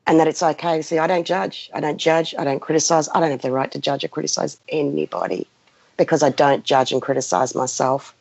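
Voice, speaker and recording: In a deep, gravelly, slightly mellow voice that runs a little fast, a spiritual guide in her fifties hosts a live session. Of Greek background, she gives a passionate, unscripted talk, speaking with emphasis and repeating phrases to lead listeners. The sound is muffled and roomy, with a lo-fi feel.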